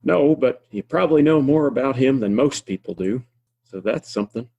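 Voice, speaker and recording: A man's voice: medium pitch, expressive, normal speed, gravelly, warm tone, highs cut off. An American actor playing a kindly, wry frontier townsman in a Western audio play, with a folksy, plainspoken, reassuring drawl. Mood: gentle, fond.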